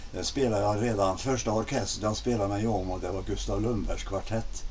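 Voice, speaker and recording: Over light background noise, a man talks in a dark, mellow, somewhat breathy voice at a fairly low pitch with fairly even intonation. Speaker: interviewee. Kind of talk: interview answer. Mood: relaxed, reminiscing. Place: garden.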